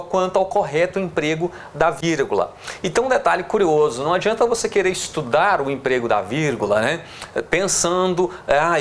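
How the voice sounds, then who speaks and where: In a classroom lecture on punctuation, a man with a Brazilian Portuguese accent and a slightly high voice explains step by step, dragging out words as he writes on the board. He keeps checking in with "tá?" and "né?", and there's slight background noise.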